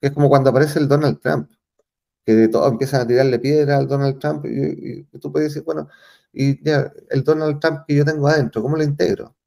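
A man from Chile with a Chilean accent, talking as an interview guest in a thoughtful way, often pausing and restarting as he searches for words. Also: on the high side, fairly even intonation, gravelly, mellow. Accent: Chilean Spanish. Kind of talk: reflective conversational interview.

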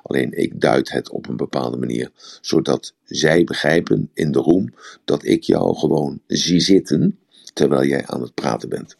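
Super deep husky guy rambling on about communication, lots of repeats. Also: measured pace, darkish tone. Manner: explanatory, rambling, repeats words. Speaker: speaker on communication. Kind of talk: live audio room talk.

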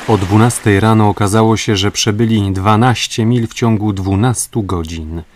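A man narrating an adventure novel as an audiobook, in steady, measured storytelling. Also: deep voice, no echo.

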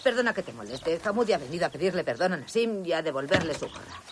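A woman's voice: fairly low pitch, animated, quick pace, natural voice. An actress playing a firm, caring village mother who scolds and coaxes her grown son. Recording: film soundtrack with clear background noise.

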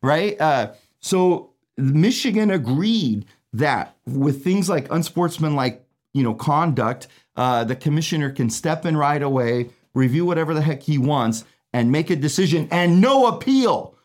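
Man, trial attorney, from Iraq; casual rambling legal explainer, voice a bit high. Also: animated, normal speed. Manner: chatty, many fillers and asides, laughs at own jokes.

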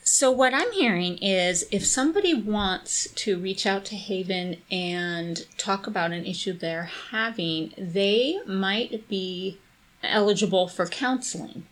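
A woman's voice: mid-range voice, animated, unhurried, fairly bright tone, poor audio. A woman hosting an interview on community radio.

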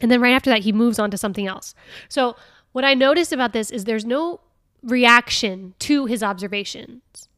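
A woman hosting a casual solo podcast, chatty and laughing often, reading passages aloud with lively expression. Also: fairly high pitch, moderate pace, no room sound, studio quality. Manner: chatty, laughing often, with many fillers and restarts. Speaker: podcast host.

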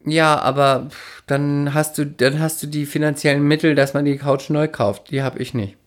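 A woman's voice: low-pitched, fairly even intonation, moderate pace. A woman co-hosting a podcast, chatting casually in a blunt, teasing way. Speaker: podcast co-host. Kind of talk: casual chat.

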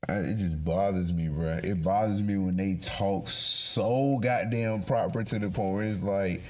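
A man's voice: deep voice, measured pace. A young man with an African American accent chatting casually as a podcast host, slangy and swearing freely. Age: young adult.

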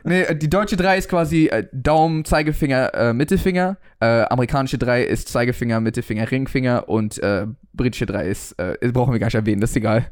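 A young man co-hosting a podcast, talking casually and explaining things with many pauses and fillers. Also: medium pitch. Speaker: podcast co-host.

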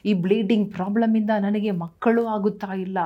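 A woman's voice: medium pitch, fairly even intonation, moderate pace, muffled recording. A woman preaching and praying with fervour, repeating phrases and calling out hallelujah as her exhortation rises. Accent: Kannada. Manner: repetitive, rising exhortation with frequent hallelujahs. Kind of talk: fervent sermon and prayer.

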